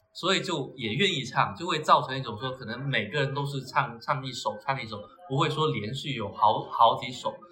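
A man's medium-pitched voice in a Chaoshan accent at a moderate pace, with audible room echo and noticeable background noise. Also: ordinary pitch variation. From Chaoshan, Guangdong. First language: Teochew (speaking Chinese). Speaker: podcast co-host. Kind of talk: casual chat. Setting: bookstore.

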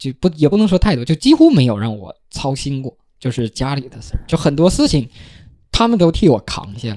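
At a moderate pace, the voice has a dark, mellow tone with a dry, close sound and no echo. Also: man. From Northeast China. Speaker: podcast co-host. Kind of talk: casual chat.

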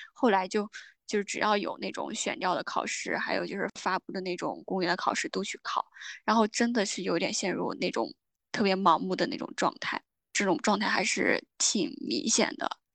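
Her speech at a moderate pace carries lively intonation and vocal fry, and this woman's recording sounds dry and close with no echo. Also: medium pitch for a woman, quiet background. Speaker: graduate student. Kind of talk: interview conversation.

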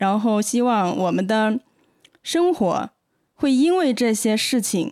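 A dark, mellow tone moves through very wide pitch swings on a very clean recording with a silent background. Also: woman. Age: 30s. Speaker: novelist and screenwriter. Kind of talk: casual podcast conversation.

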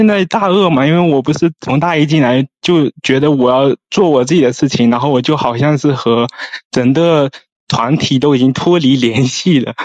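Dry and close with no echo, a man with a fairly high pitch talks at a moderate pace, with ordinary pitch variation and very even loudness. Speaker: undergraduate caller. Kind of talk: casual call-in consultation. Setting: live-stream voice link. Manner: halting.

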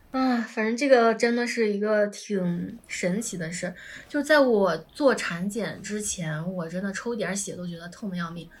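In a plain, everyday voice, a woman of medium pitch talks at a fairly slow pace, with ordinary pitch variation and big swings in loudness. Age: 30s. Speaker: podcast co-host and mother. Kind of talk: casual chat.

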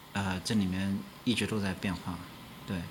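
A man is speaking. His pitch is fairly low. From China, Nanjing. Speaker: architecture professor. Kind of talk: interview conversation. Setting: recorded in a historic house. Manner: hesitant, many fillers.

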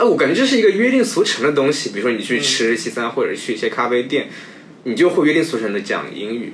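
A man speaks at a very fast pace with very wide pitch swings. Noticeable background noise and audible room echo fill the recording. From Sichuan, China. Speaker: podcast host. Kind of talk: casual chat; scripted intro.

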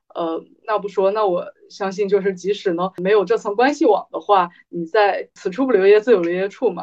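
A woman with an unremarkable speaking voice, medium pitch and a moderate pace. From Guangdong, Zhuhai. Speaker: recent graduate. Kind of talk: casual chat.

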